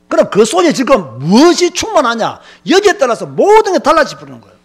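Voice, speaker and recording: Male pastor, high-pitched and emphatic storytelling sermon delivery. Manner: emphatic, animated storytelling with many filler words.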